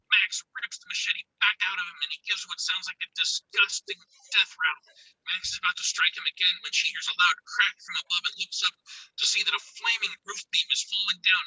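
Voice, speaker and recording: A man with a breathy voice reading screenplay stage directions as an intense, suspenseful narrator. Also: high voice, bright, forceful tone, no echo, low-quality recording. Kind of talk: dramatic scripted narration of screenplay action.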